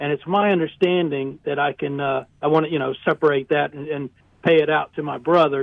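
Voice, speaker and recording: In an American accent, a man talks at a fairly quick pace with a plain, everyday voice, a fairly high pitch and fairly even intonation. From Norfolk, Virginia. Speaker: caller. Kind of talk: casual question and answer. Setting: phone call.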